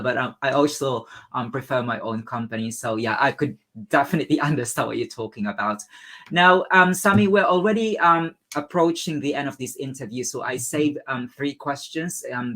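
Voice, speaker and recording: A woman's voice: rumbling low, a bit bright. A woman from the Philippines with a Filipino accent, hosting an interview and asking questions with frequent stumbles and repeated words. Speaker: interview host.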